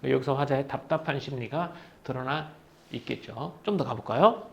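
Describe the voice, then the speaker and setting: A man's voice: medium pitch, normal speed, vocal fry. A man teaching literature in a lecture for exam prep. He reads poem lines aloud, then paraphrases them in casual speech and fires questions at the students.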